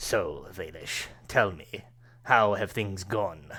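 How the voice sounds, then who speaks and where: At a very slow pace, a man speaks in a put-on character voice. His pitch is fairly low. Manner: commanding, menacing.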